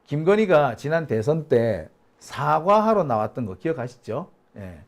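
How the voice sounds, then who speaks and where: Man, live political commentary host, combative, mocking, swears, slightly high voice, very lively pitch. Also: unhurried. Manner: combative, mocking, profane outbursts; reads viewer chat comments aloud.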